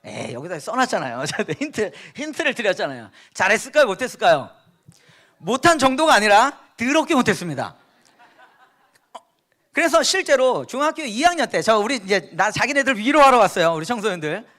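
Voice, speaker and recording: Guest preacher, man in his thirties, bright high voice, swings widely, storytelling sermon with questions to the crowd. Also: brisk. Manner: animated storytelling, asks the audience questions, laughs along. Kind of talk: lively sermon to a youth congregation. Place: church sanctuary.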